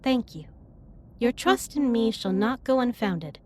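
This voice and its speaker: A woman playing a caring, earnest alien starship captain in a sci-fi roleplay audio drama, speaking in formal, precise, measured sentences. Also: fairly high pitch, expressive, a little mellow. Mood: earnest, apologetic. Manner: formal, precise, stilted wording with measured delivery. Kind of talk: scripted roleplay audio drama, intimate one-sided dialogue.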